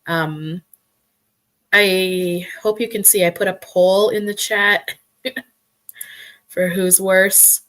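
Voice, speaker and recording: A woman hosting a casual livestream chat who has a croaky voice and laughs often while greeting viewers. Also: medium pitch, steady tone, slow, pauses often, fairly bright tone. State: croaky voice with a cough. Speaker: livestream host.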